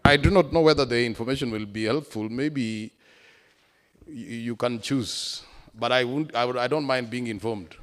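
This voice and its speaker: Male Kenyan legislator, average pitch, formal points of order, long hall reverb. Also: moderate pace, a bit bright. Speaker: county assembly member. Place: large assembly chamber.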